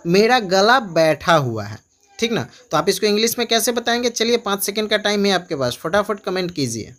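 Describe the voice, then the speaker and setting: A man tutoring English in a casual online class, slowing down to repeat example phrases and keep coaxing viewers to answer. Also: sits high, big pitch swings, a bit bright. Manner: repeats example phrases slowly and keeps urging viewers to comment.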